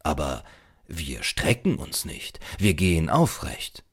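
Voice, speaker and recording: A man voicing a courteous, sceptical male traveller in a storybook, measured and questioning. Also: very deep voice, sing-song, slightly rough, exaggerated voice.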